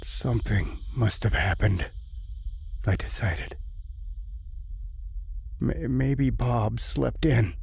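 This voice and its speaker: An actor playing a terrified male prisoner in a horror audio drama, brooding and halting as he recounts solitary torment and slips into panic. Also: medium pitch, animated, creaky, a little mellow, breathy edge, heavily acted. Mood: wry, uneasy. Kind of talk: first-person horror audio drama narration. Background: music.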